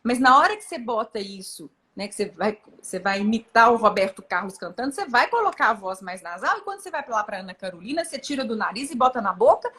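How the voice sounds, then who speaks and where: A woman's voice: a little high, very animated, fast talker, hardly any pauses, a bit bright. A woman from Brazil, a voice coach, explaining vocal work in an encouraging, casual teaching chat. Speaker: voice coach hosting a live chat.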